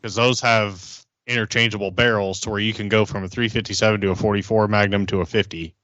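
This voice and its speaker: A man's voice: on the low side, steady tone, fast, fairly bright tone, dry recording, highs cut off. A man playing a tabletop game, chatting casually in an informal, blunt way. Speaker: player in a tabletop RPG podcast.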